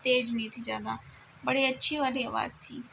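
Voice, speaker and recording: A woman vlogger talking softly and reflectively to her viewers while lying down at home, often repeating herself. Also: fairly high pitch, fairly even intonation, a little fast, gravelly, slight background noise. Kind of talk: casual confiding chat to viewers.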